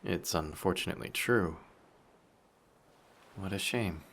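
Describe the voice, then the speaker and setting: Very deep, smooth-talking flirty male sea monster acted by a man. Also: a little slow, fairly bright tone, slight background noise. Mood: teasing, curious. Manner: polite, formal, teasing, self-assured. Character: handsome flirty, vain sea monster posing as a male passenger. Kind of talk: scripted roleplay audio drama.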